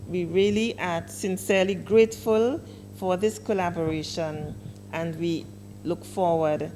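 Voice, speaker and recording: A woman official gives a formal public address, weighing her words and leaning on key phrases. Her voice sits somewhat low. A faint hum runs underneath the recording. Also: steady tone. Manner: deliberate, official speechmaking with emphatic stresses. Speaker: government director speaking at a launch.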